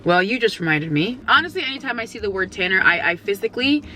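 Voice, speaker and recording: Bright, playful young woman vlogger. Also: mid-range voice, animated, quick pace, slight background noise. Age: 20s. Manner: playful, laughs often, jokey and oversharing; bursts into loud exclamations. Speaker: vlogger answering viewer questions. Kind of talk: casual Q&A chat to camera.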